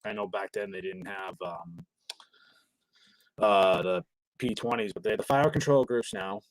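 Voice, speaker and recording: A man from Massachusetts, a guest talking loudly and emphatically over a video call, often restarting his sentences. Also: lowish voice, a little hiss or hum. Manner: loud and emphatic, rapid restarts. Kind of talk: casual gun talk. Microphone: video call, loud personal mic.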